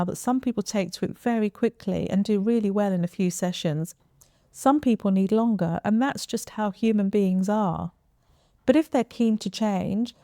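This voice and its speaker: A middle-aged woman giving an informal educational explainer to camera in a measured way, speaking as a voice therapist. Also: medium pitch, dark tone, no room sound, clean studio sound. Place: small indoor room with armchair. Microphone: lapel mic.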